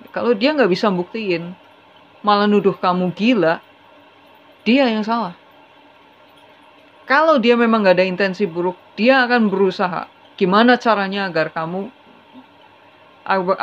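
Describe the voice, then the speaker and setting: A tarot reader giving a casual, chatty reading straight to the viewer, earnest and advising. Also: medium pitch. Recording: slightly dull with faint hiss.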